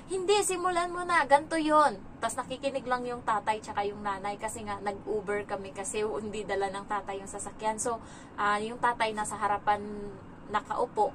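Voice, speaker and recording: A woman's voice: on the high side, fairly bright tone, slight background noise, rough recording. A woman from the Philippines, a domestic helper, telling a story in a casual vlog and switching between Tagalog and English.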